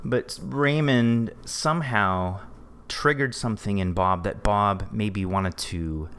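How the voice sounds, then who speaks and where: Man, lowish voice, podcast interviewer, casual conversational style, agreeable. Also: takes it slowly, a bit bright, clear, resonant tone.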